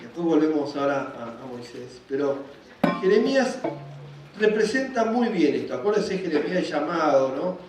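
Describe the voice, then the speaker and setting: A man with a Rioplatense Spanish accent, preaching a sermon at a men's conference in a lively, joking storytelling way, acting out the voices of the people in his stories. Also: fairly high pitch, moderate pace, music in the background. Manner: animated, jokey storytelling, acts out voices. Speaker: pastor. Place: large hall at a men's conference. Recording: echoey hall, voice from far off.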